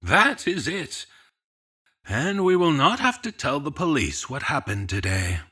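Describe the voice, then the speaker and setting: A sly, controlling puppet-shop gentleman in an audio drama. The voice is husky and sharp, with very animated pitch. Formal, deliberate wording carries a polite menace. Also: full character voice. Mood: bargaining, veiled threat. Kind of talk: scripted audio drama dialogue.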